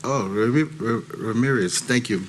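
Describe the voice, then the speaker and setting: Man chairing a council meeting, courteous and halting, light room noise. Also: medium pitch. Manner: polite, hesitant, many uhs. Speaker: vice mayor chairing the meeting. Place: city council chamber.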